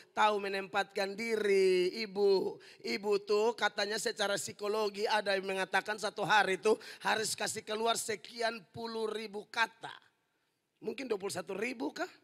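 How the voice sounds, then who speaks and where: A man preaching a fiery sermon as pastor, forceful and humorous, sometimes rising to shouts. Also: sits high, steady tone, normal speed. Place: large indoor church hall. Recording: long hall reverb in large church.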